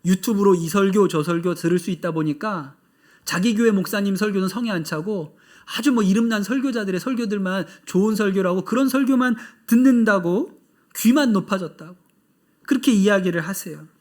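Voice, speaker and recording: Male pastor, sermon delivery, high pitch, earnest and conversational. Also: brisk, a little mellow. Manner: earnest and conversational, repeating key phrases for emphasis.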